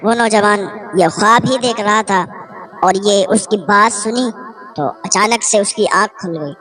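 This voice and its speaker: A woman's voice: medium pitch, a bit bright. A woman preacher telling a moral tale about the punishment of the grave in an earnest, moralizing way. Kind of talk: storytelling religious sermon. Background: faint music.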